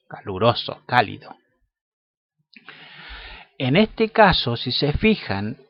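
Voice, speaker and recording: Male teacher, patient explainer, slow delivery, dry muffled recording. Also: medium pitch, dry recording. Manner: slow, patient, checks in with "¿cierto?" and "¿ya?". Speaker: English teacher. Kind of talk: lesson explanation.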